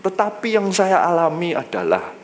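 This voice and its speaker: A man preaches a personal testimony from the pulpit. His voice sits a bit high, and his storytelling is animated. He turns slow and low when he voices heavier moments. A faint hiss runs under the recording. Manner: lively storytelling, drops low and slow when quoting God. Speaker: pastor. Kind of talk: sermon testimony.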